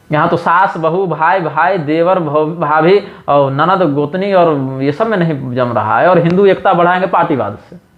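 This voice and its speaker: A man giving an impassioned discourse as a religious teacher, pressing his points with rhetorical questions. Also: high voice. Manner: emphatic, builds points through rhetorical questions. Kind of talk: impassioned monologue. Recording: roomy, dull lo-fi sound.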